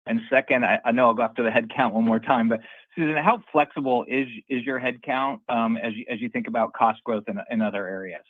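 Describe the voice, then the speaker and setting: A man's voice: mid-range voice, fairly quick, no echo. A man, a financial analyst, asking questions on an earnings call over the phone. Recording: tinny narrow phone line.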